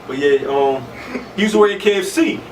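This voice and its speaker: A man's voice: high voice, animated, a little fast, far from the mic, slight background noise, rough recording. A man hosting a casual radio show, talking in a slangy, laid-back way in a studio. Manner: slangy, laid-back, says "you know what I'm saying" often.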